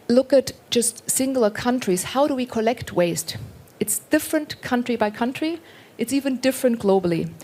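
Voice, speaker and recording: A woman's voice: fairly high pitch, darkish tone. Earnest, persuasive woman on a panel. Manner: earnest, persuasive, appealing directly to the audience. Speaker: industry panelist. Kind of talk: panel discussion remarks.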